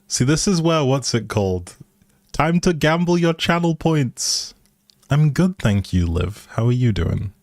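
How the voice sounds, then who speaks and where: A man's voice: medium pitch, sing-song, a little slow, darkish tone, no room sound, studio quality. A man livestreaming a game with casual, playful, teasing chat to his viewers.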